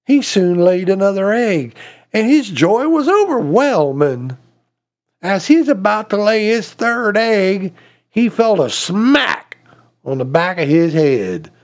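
Man, folksy joke teller, gravelly, slow, lively high voice. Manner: folksy, laughs at own jokes. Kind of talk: telling spoken jokes.

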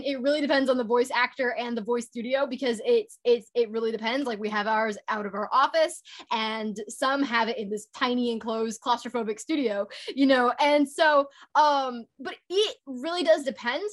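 A woman's voice: fairly high pitch, moderate pace. A young woman and voice actor chatting as a guest in a casual interview, upbeat, with many fillers and restarts. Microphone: home recording setup.

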